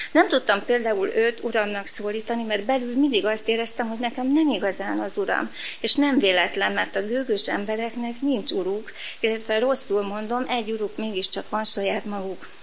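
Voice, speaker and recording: A female voice with a fairly high pitch and ordinary pitch variation is heard against noticeable background noise. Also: moderate pace. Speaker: churchgoer giving testimony. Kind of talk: testimony.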